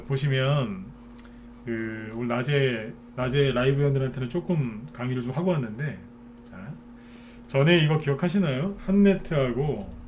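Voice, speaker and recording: A man at a mid pitch gives a chatty live stock lecture, often checking in with his viewers through short asides. The recording carries a faint hiss of background noise. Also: a little mellow. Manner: chatty, many filler "ne" and tag questions to viewers. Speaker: stock market commentator.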